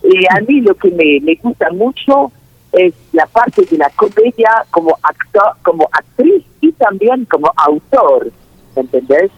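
A woman with a very low voice for a woman, a guest speaking on a remote call, rambling with many restarts and tag questions. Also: big pitch swings, a little slow, slightly rough, no room sound. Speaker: guest performer. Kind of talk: remote interview over a call. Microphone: phone call. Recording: dull phone-line call, dry.

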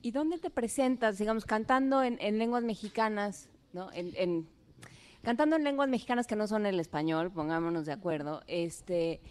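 Woman cohost, chatty, clear smooth voice. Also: medium pitch, moderate pace, a little mellow. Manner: conversational, rambling questions. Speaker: co-host.

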